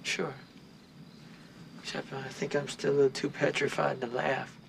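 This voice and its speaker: A man's voice: fairly high pitch, little pitch movement, moderate pace, creaky, a little hiss or hum. An actor playing a nervous young man who answers politely and dryly, from a film clip.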